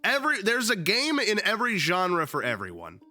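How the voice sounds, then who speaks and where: Sniffly young guy streaming from home, bright voice that bounces all over, jokey and loose, swears a lot, faint music behind. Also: sits high, wildly swooping pitch, brisk. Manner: loose, joking, swears freely, lots of fillers. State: sniffly, still a little sick. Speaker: streamer reading a book aloud. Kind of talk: casual livestream chat and book reading. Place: at home with his dog.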